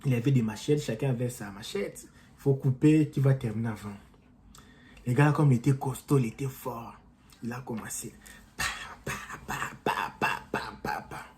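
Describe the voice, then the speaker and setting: Guy giving motivational talk to his followers, warm mellow voice, repeats himself a lot, calls everyone friend. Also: medium pitch, normal speed, slight background noise. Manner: animated, repetitive, addresses viewers as friends. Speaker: vlogger and coach. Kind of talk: casual motivational talk to camera. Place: living in the United States.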